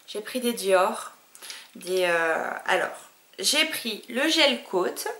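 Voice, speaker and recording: A woman's voice: mid-range voice, lively intonation, takes it slowly, bright, forceful tone, reverberant. A woman talking casually and enthusiastically to camera in a beauty haul video, with lots of fillers. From France. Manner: chatty, enthusiastic, many fillers. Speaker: beauty vlogger. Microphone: camcorder mic.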